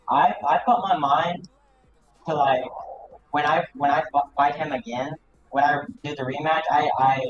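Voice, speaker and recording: A man's voice: on the high side, background noise. A man talking casually and slangily after his boxing match over a muffled headset mic that sounds underwater. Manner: laid-back, slangy, talks of himself with quick repeats. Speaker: boxer interviewed after his fight. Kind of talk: casual post-fight chat. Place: at home on his PC. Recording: muffled lo-fi voice chat mic with room echo.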